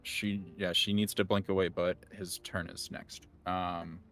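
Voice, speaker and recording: Deep-voiced man thinking aloud. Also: flat delivery, measured pace, fairly bright tone. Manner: thinking aloud with many ums. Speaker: player. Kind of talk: playing a tabletop game.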